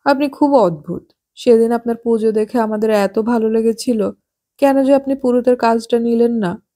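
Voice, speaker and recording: A woman voicing a nosy, gossipy well-off married woman in an audiobook, chatty and sharp-tongued. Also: fairly high pitch, normal speed, voice pushed up, close to an everyday voice. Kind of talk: audiobook character voice.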